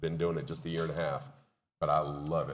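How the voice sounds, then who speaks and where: A man's very deep, low-pitched voice over music in the background. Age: 50s. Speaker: streamer and college teacher. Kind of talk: panel discussion.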